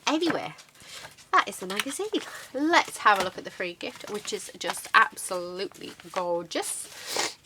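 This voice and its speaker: A woman's voice: mid-range voice, very animated, normal speed, background noise. A middle-aged woman with a cold, chatting casually and rambling as she shows a craft magazine on her channel. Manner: chatty, rambling, many fillers. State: congested from a cold. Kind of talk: casual chat showing a magazine.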